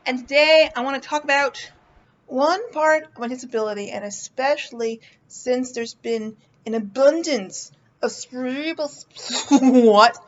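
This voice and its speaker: A high-voiced woman hosts a rambling, casual vlog while lying in a hospital bed indoors, a fan running nearby. She's playful and blunt, swears freely, and halts often, repeating words as she searches for her thought. The recording sounds somewhat dull and lo-fi.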